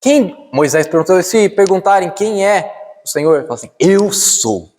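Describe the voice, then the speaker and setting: A man with a Brazilian Portuguese accent preaching a sermon, dropping to slow, hushed lines and then climbing high and urgent. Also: animated, big-room sound, a little hiss or hum.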